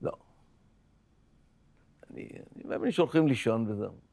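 Older man, interview guest, emotional storytelling, repeats his words, medium pitch. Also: expressive, vocal fry, darkish tone, dry recording. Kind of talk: personal storytelling in a podcast interview.

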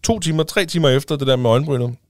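A man's voice: mid-range voice, no room sound, studio quality. A man with a Danish accent, a father talking as a podcast guest in casual chat, rambling with many restarts and fillers.

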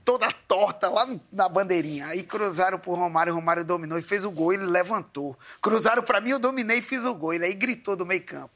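A man telling lively anecdotes in casual chat as a guest, acting out the lines of the people in his stories. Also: high voice, fast talker, few pauses. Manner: animated anecdotes, acts out quoted lines. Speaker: guest, former footballer.

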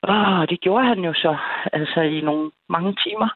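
A woman's voice: fairly low pitch, no echo. A woman calling in to a night radio show, telling a story in a chatty way and laughing between sentences. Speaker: caller. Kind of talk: casual phone-in storytelling. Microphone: telephone. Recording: tinny phone line.

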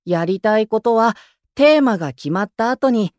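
A woman playing a gentle, earnest young male idol in a voice drama, explaining things kindly. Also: fairly high pitch, lively intonation, normal speed, no room sound, clean studio sound, close to an everyday voice. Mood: earnest, encouraging. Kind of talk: anime-style voice drama acting. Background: music.

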